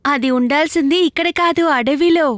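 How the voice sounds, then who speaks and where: A woman voicing a caring, gently chiding mother in a children's cartoon. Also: high-pitched, a little fast, no room sound, clean studio sound, close to an everyday voice. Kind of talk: animated children's cartoon dialogue.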